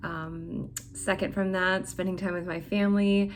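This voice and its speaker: A woman's fairly low, monotone voice with an American accent, flat in intonation, at a fairly slow pace amid audible room echo. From Ohio, US Midwest. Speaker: speech therapist who stutters. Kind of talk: personal testimony. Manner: stuttering, with repetitions.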